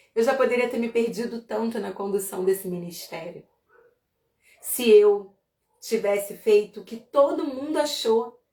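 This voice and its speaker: Speaking in a strong Carioca accent, a woman sounds animated. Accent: carioca accent, strong chiado (sh-like s). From Rio de Janeiro, Brazil. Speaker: women's ministry leader. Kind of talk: devotional teaching livestream. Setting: livestream from home.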